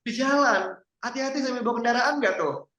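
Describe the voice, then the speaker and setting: Lively male public speaking coach. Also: very high voice, brisk. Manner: lively, coaching, asks the audience questions. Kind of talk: interactive public speaking lesson. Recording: roomy echo.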